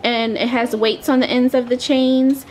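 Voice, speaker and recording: A woman's voice: on the high side, flat delivery, normal speed, a crowd in the background. A young woman and mother chatting casually in a home vlog, rambling with lots of ums. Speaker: vlogger, mother. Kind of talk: casual family vlog chat. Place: home living room.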